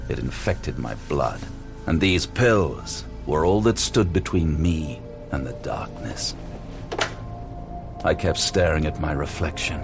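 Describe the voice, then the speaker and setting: A haunted detective narrating in the first person, low and slow with a creaky edge. He broods intensely over music in a gothic audio drama. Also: full character voice.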